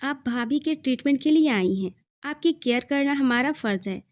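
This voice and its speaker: An earnest, slightly shy young man , voiced by a woman reading the story. He speaks in a high voice and sounds a little hesitant. It is an audio story reading. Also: animated, moderate pace, a little mellow, no echo.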